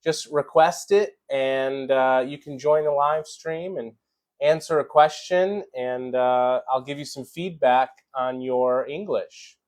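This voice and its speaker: An English teacher from Chicago, USA, chats casually on a live stream, greeting viewers by name and using many fillers. His American voice is medium-pitched, a little mellow, and slow-paced.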